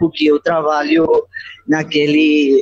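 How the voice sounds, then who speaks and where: A man speaks with a Spanish accent. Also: dry, close sound with no echo. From Colombia, Bogotá. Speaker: listener and language learner. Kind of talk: casual chat. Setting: on a bus, video call. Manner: halting.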